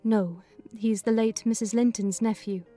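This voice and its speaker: A woman's voice: on the high side, steady tone, unhurried, dark tone, soft background music, close to an everyday voice. Chatty older housekeeper, read by a woman. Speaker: narrator voicing housekeeper. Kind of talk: dramatized audiobook reading.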